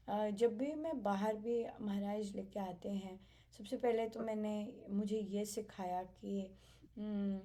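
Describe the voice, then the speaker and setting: A woman shares reflections from her spiritual practice in a quiet, unhurried way, pausing often and searching for words. Her voice is mellow and dark with a noticeable gravelly texture, and she speaks at a very relaxed pace. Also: medium pitch. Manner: soft-spoken, reflective, halting with fillers and light laughs. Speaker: satsang participant sharing experience. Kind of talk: spiritual sharing in a family gathering.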